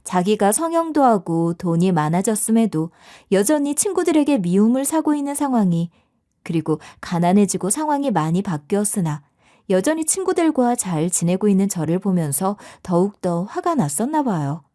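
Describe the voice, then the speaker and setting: Woman storyteller, confiding conversational narration, expressive. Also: mid-range voice, normal speed.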